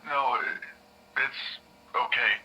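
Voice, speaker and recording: A man's voice: medium pitch, fairly even intonation, slow pace, bright, forceful tone, highs cut off. A stammering nervous young man. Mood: anxious. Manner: stammering, repeats words, hesitant. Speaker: patient in a therapy session. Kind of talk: audio drama acting.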